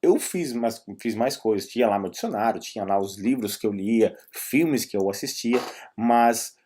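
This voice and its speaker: A man's voice: lowish voice, lively intonation, moderate pace, warm tone. A man with a Brazilian Portuguese accent talking casually as a vlogger, explaining and recommending things in a conversational, rambling way with asides.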